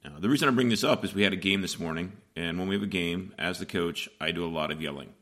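Hoarse low-voiced male podcast host. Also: fast, fairly bright tone. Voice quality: raspy. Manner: plain, practical, step-by-step explaining. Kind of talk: solo podcast explainer. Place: small home recording booth in a converted garage.

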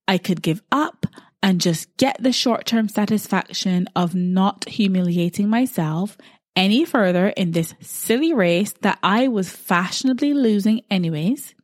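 A woman's voice: mid-range voice, darkish tone, dry recording, clean studio sound. A woman, hosting a solo podcast and telling a personal story in a reflective, conversational way. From Barbados. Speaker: podcast host.

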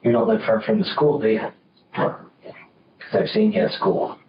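A male police officer gently coaxing a teen, heard on old interrogation tape footage from an interrogation room. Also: lowish voice, measured pace. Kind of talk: interrogation talk. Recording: roomy, distant, dull, noisy interrogation tape.

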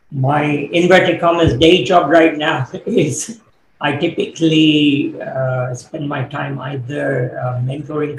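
A middle-aged man, born in Kenya and raised in the UK, answering interview questions as a business coach in a thoughtful, measured way with fillers. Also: a little high, creaky. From born in Kenya, grew up in the UK. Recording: echoey room, faint background noise.

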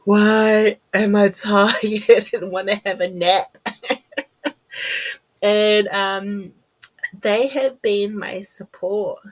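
A woman's voice: mid-range voice, steady tone, very slow, pauses often. A woman with a New Zealand accent, chatting casually to camera from her home office as a podcast host, laughing at herself often.

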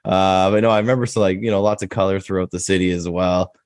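Friendly podcast host man, low voice. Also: steady tone, fast, darkish tone, no room sound, clean studio sound. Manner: friendly, rambling questions with restarts. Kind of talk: casual interview chat.

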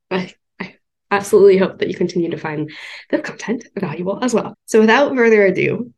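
A woman's voice: medium pitch, vocal fry. A woman hosting her podcast, chatting upbeat with many fillers and restarts, a bit congested and stuffed up. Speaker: podcast host. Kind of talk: solo podcast talk.

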